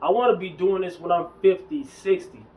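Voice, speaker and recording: A man in his early forties rants in a fairly high voice, slangy and preachy, often circling back to hammer the same point. He sounds set back from the mic, a little distant in the recording. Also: fairly quick, lo-fi sound. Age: 40s. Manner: emphatic, preachy, slangy, repeats himself. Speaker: fitness vlogger. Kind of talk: casual ranting monologue.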